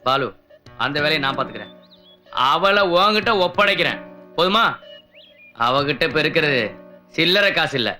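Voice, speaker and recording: A brutal, bullying village thug in an old film drama. He barks threats and orders in a fairly high voice. Film music runs behind him. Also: expressive, normal speed, long pauses, pushed and bright. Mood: scheming.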